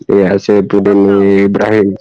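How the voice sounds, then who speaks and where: A man from Sabah in Malaysia, chatting as a guest in an easygoing, halting way. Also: lowish voice, monotone, warm tone, no room sound, dull audio. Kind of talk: casual video call chat.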